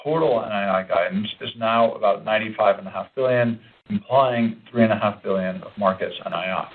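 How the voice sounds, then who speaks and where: Low-pitched businesslike man on phone line. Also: a little fast. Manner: formal, businesslike. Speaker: company executive presenting earnings. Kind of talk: scripted corporate financial presentation. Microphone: conference call line. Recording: narrowband, phone-like conference line.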